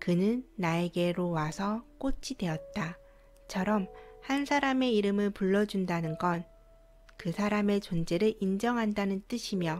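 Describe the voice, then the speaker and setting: Music plays in the background as a woman speaks at a very slow pace. Her pitch is medium with ordinary variation. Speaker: drama review narrator. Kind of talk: drama review narration.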